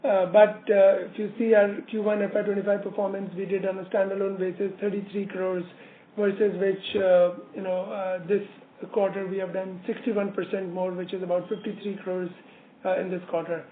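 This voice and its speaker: A man presenting company results as an executive on a business call, halting often with many filler words. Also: high-pitched, little pitch movement. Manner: halting, hesitant delivery with frequent filler words. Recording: narrowband phone line, roomy echo, slight noise.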